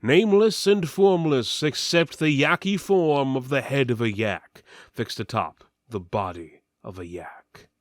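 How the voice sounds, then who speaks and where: A man's voice: medium pitch, measured pace, no room sound, studio quality. A man giving a theatrical, mock-solemn dramatic reading of epic fantasy as narrator.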